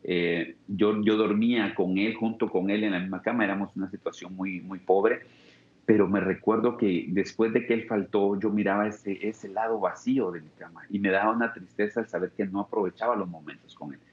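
A young man with a Guatemalan Spanish accent shares his life story in an interview, earnest and reflective, often breaking off and starting his phrases again. His voice sits fairly low. The sound is dull and lo-fi. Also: fairly even intonation, brisk, roomy sound. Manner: earnest and reflective, with frequent restarts. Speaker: interview guest. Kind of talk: personal testimony.

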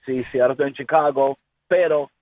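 A man's voice: medium pitch, steady tone, brisk, darkish tone, no room sound, highs cut off. A man from the United States, a pastor, talking earnestly in a faith interview and dropping English words into his speech. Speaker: pastor and guest.

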